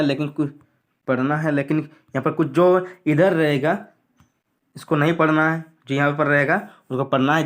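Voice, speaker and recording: A man going through a school syllabus on screen, repeating what to study and what to skip in a plain explanatory way. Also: fairly high pitch. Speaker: teacher.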